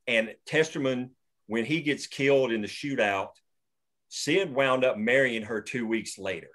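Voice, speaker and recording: A man's voice: medium pitch, a little slow, a bit bright. Rambling male screenwriter on a video call. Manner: rambling, with many restarts and fillers. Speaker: screenwriter hosting a table read. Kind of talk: casual chat after a table read.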